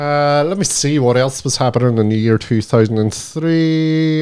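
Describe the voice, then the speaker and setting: A man with a Northern Irish accent, at a moderate pace with ordinary pitch variation. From Northern Ireland. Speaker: podcast host. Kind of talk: casual chat.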